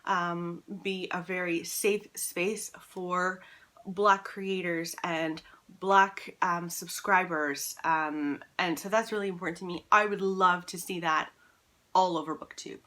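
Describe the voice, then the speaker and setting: Bright-voiced woman, earnest video blogger. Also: fairly low pitch, fairly even intonation, takes it slowly. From Canada. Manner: earnest, emphatic, repeats words for emphasis. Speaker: book vlogger, channel host. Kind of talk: casual talk to camera.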